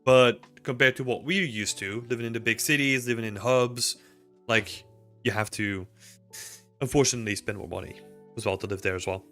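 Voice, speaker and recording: Talking at a normal speed, the livestream host has a medium-pitched voice that sounds pushed and bright, with faint music in the background. He is a Belgian man in his thirties who chats casually with viewers, answering chat questions in a rambling, filler-heavy manner. He sits in a small home room with a desk mic and headphones.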